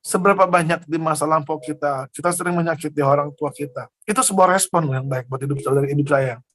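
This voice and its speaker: A man's voice: on the high side, fast talker, a bit bright, slight background noise. A man preaching a testimony sermon, telling his story with emotion and often addressing his listeners directly. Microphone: Zoom broadcast.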